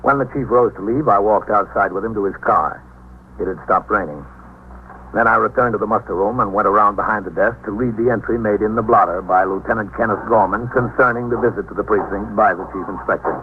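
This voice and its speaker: A steady, commanding police captain, played by a man, narrates in a measured, deliberate way. His voice sits fairly low. It comes through a tinny 1950s radio broadcast with a faint hiss behind it. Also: close to an everyday voice. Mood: calm.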